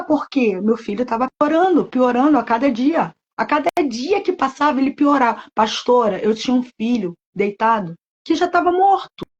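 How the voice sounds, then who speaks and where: A woman's voice: high-pitched, dull audio. A woman pastor, giving an emotional personal religious testimony in a repetitive storytelling manner. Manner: emotional, repetitive storytelling with many quoted voices.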